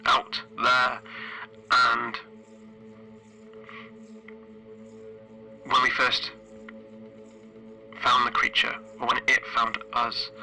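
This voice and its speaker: Stranded male ship's engineer, played by a man: weary, frightened, halting log delivery, very sharp flat-pitched voice, faint music behind. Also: full character voice. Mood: uneasy, haunted. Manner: hesitant, halting, broken phrasing. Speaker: solo role-playing game player. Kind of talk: halting in-character audio log.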